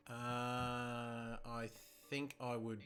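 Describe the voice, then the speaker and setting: Loud aussie guy hosting a stream, swears a lot, music going behind him. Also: monotone, very slow. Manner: loud, swears, booming greetings. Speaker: stream host. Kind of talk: casual live stream banter.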